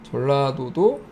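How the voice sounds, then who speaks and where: A man talks his viewers through a chart on his own channel and thinks aloud as he scrolls. His voice is gravelly and his pitch rises and falls a lot. He reels off items in quick, clipped phrases. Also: a little hiss or hum. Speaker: YouTube host. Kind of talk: casual screen-share data walkthrough.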